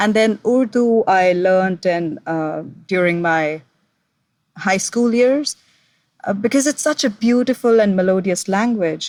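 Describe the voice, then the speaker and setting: At a medium pitch, a woman with a Punjabi accent speaks at a fairly slow pace. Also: lively intonation. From India. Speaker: voice actor. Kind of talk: interview.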